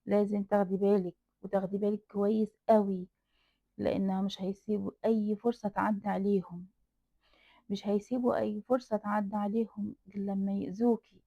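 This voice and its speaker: A woman's voice: medium pitch, flat delivery, fairly quick, creaky, no room sound. Brief: mysterious Egyptian woman, grave and warning, tinny dry line told by a storyteller. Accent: Egyptian Arabic. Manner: earnest, warning. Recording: dry tinny phone-like sound.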